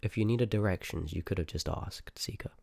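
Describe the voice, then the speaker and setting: A man's voice: low voice, fairly quick, creaky, a little mellow, no room sound. A man voicing a rude, sarcastic, reluctant sorcerer of a haunted house in a scripted ASMR roleplay, grumbling and dismissive, close on the microphone. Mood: grudging, dry.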